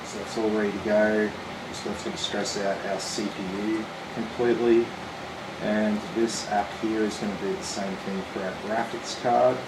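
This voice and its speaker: A man with an Australian accent, slightly hoarse, casually talking viewers through a computer build on a live stream. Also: on the low side, normal speed. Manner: relaxed, chatty, explains steps plainly. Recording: roomy with steady air-conditioning hum.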